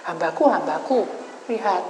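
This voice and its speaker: A woman pastor voicing a gentle, accepting pet hen that is about to die, in a soft, calm manner. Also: fairly low pitch, normal speed, close to an everyday voice. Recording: echoey hall, faint background noise.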